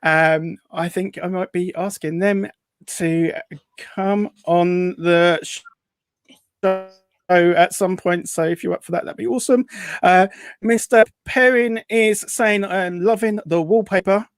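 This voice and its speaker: A man's voice: high-pitched, fairly even intonation, slow, clear, resonant tone, no room sound. A man hosting a casual online chat show, reading out viewer comments with lots of fillers over a video call. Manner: chatty, reads out viewer comments, many fillers. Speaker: host.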